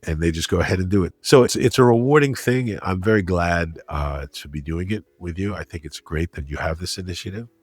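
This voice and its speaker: A man's voice: sits low, fairly quick, few pauses, breathy edge, dry recording. A middle-aged or older man speaking as an interview guest, conversational and anecdotal. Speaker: interview guest, critic and broadcaster.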